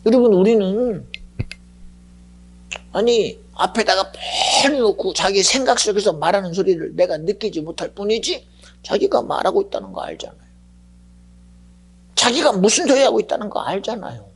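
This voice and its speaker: A male pastor preaching a sermon in a gravelly, very raspy voice, dropping to hushed whispers and then rising to shouts. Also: high-pitched, big pitch swings, normal speed, pauses often.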